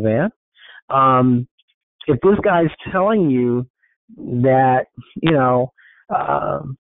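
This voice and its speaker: A man's voice: a little high, dry recording. Man speaking over a tinny phone line. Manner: rambling and informal, with many fillers and restarts. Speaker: motivational speaker on a group call. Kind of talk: casual motivational talk. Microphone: conference call line. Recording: thin, phone-like call audio.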